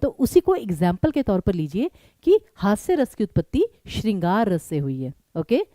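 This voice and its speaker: Her mid-range, mellow voice swings widely in pitch as this young woman teaches a live online exam-prep class. She talks at a brisk pace, mixes English with Hindi, and urges quick answers from students, all in a close, dry recording.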